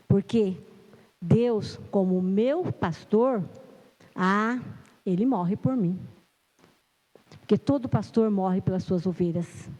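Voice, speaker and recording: Long reverb from a church hall surrounds a middle-aged Brazilian woman preaching as a lay minister. Her medium-pitched, mellow voice carries a Brazilian Portuguese accent, starting out nervous and becoming earnest and forceful.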